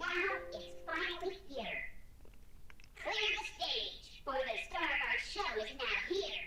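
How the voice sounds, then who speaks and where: A squeaky put-on character voice sits at an extremely high pitch, with long, frequent pauses at a fairly slow pace. There is slight echo and loud background noise. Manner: excited stage announcer.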